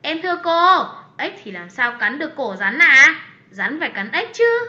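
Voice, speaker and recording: A chirpy little cartoon schoolboy, very high and bright. He is eager and polite, speaking in a roomy, slightly dull recording. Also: big pitch swings, normal speed, full character voice. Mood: eager, puzzled. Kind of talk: children's educational cartoon dialogue.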